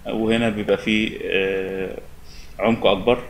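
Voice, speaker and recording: A young man with an Egyptian Arabic accent giving a relaxed, step-by-step software tutorial at his desk. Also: lowish voice, moderate pace, slight background noise. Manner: relaxed, step-by-step explaining with many fillers. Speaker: software instructor. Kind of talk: screen-recorded software tutorial.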